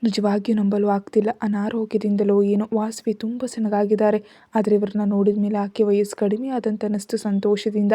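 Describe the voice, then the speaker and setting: Lady reading a story aloud, steady and even, mellow voice, dry. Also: mid-range voice, fairly quick, no echo. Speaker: narrator.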